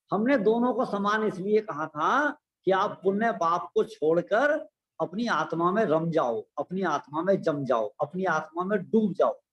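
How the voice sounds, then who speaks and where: A man teaching scripture to a class, his voice sitting high for a man. He talks slowly and deliberately. He keeps checking with his listeners and repeats key phrases to drive them home. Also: a bit bright. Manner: asks listeners rhetorical check-in questions. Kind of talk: religious discourse to a class.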